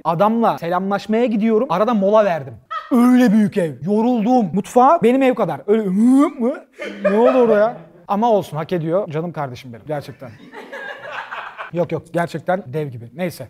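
A man opens a comedy talk show with a rapid, stand-up style monologue. His voice sits a little high and leaps around in pitch. He goes from loud punchlines to low, grumbling asides and swears freely. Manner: loud, animated, swears freely, swings from shouting to quiet asides.

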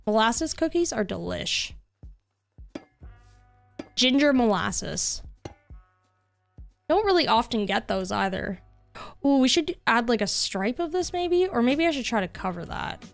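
A woman's voice: on the high side, sing-song, unhurried, creaky, long pauses, faint music behind. A young adult woman streaming a game, chatting casually in a bubbly way with lots of filler words. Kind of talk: casual chat while playing a game.

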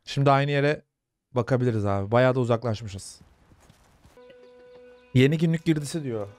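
Casting: young male gamer, casual let's-play talk, chatty and easygoing, mid-pitched voice. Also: normal speed, a little mellow, soft background music. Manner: chatty, talks to viewers and soothes the horse. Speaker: gaming YouTuber.

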